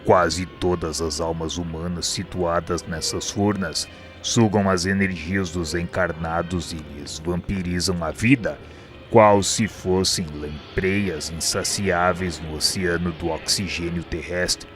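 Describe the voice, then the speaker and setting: Slow, deep, solemn spirit mentor. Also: male voice, steady tone, faint music behind. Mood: grave, explanatory. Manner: solemn, formal, didactic. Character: grave wise male spirit mentor teaching a pupil. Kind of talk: radio drama acting.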